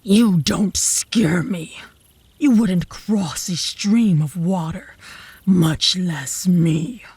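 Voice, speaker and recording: Actress as possessive werewolf flirt for ASMR drama: very husky, whispery, cocky drawl, close and dry. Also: female voice, fairly low pitch, darkish tone, dry recording, full character voice. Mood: taunting. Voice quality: breathy, often dropping to a whisper. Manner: slow, teasing, seductive drawl. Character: flirtatious, obsessive werewolf woman, cocky rival. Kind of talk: ASMR roleplay, slow breathy teasing. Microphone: close ASMR microphone.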